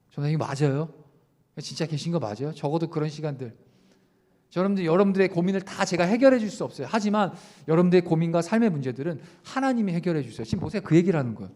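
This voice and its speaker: A young man, a youth pastor, preaching a sermon at a youth service. He puts questions straight to his listeners and swings between raised emphasis and quiet asides. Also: a little high. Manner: addresses listeners directly with questions. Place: church service.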